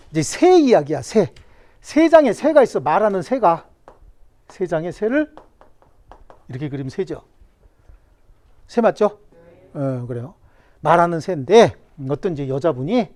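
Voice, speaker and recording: A man's voice: on the high side, darkish tone. A man lecturing on civil law to a classroom, joking and firing questions at the students.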